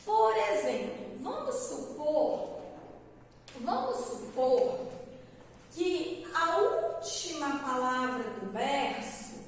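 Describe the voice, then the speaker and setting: A woman's voice: high voice, big pitch swings, extremely slow. Woman teacher, patient explainer who sings out words; long reverb, faint noise behind. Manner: explanatory, checks in with "certo?" and "tá?"; calls out words in a stretched, sung tone. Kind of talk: recorded classroom lesson. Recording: echoey hall from far off, faint background noise.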